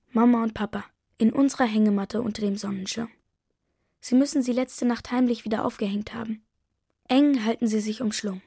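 Husky woman reading a children's story. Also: on the high side, no room sound, studio quality. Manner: gentle, lively voicing of characters. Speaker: narrator.

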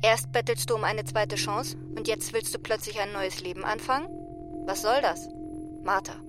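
A woman's voice: mid-range voice, fairly even intonation, moderate pace, background noise, close to an everyday voice. An actress playing an exasperated woman leaving a sarcastic, scolding voicemail. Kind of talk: radio drama acting.

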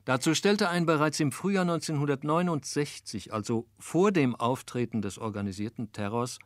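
A man narrating a scripted radio feature in a formal, measured way. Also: fairly high pitch, no room sound, studio quality.

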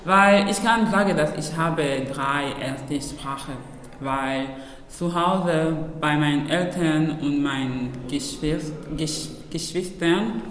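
A woman's voice: deep voice, slow pace, a little hiss or hum. A woman from Cameroon whose first language is Banzo, answering interview questions in German, laughing and searching for words. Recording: echoey room with faint ambience.

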